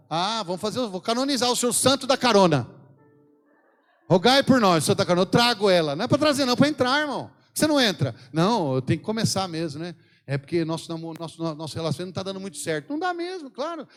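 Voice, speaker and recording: A man with a Brazilian Portuguese accent preaching a fervent, exhorting sermon at a church event. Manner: fervent, exhorting the congregation with sweeping pitch swings.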